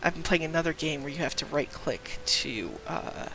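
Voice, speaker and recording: A man's voice: a little high, animated, moderate pace, creaky, background noise. A young trans man with a light, youthful-sounding voice chatting casually on a game stream, rambling through stories, laughing often and breaking off to greet viewers. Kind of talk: casual live-stream chat.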